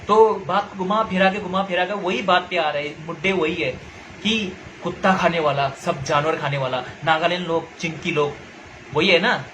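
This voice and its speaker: Speaking at a normal speed in a high-pitched, steady, bright and forceful voice, a young social media commentator from Nagaland, India rants angrily straight to camera. He lectures someone confrontationally and keeps repeating himself; the poor audio carries a little hiss or hum.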